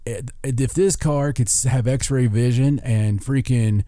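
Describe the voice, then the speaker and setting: A man's voice: medium pitch, a little slow, warm tone, no room sound, studio quality. A man co-hosting a podcast in casual banter, irreverent and rambling, with mild swearing. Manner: irreverent, rambling, mildly profane. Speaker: podcast co-host. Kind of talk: casual paranormal talk show banter.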